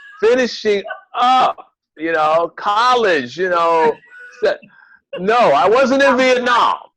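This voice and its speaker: With music in the background, a man with an American accent speaks at a very slow pace with long, frequent pauses. His pitch is extremely high and his intonation lively. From North Carolina. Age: 60s. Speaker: martial arts instructor. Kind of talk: interview conversation.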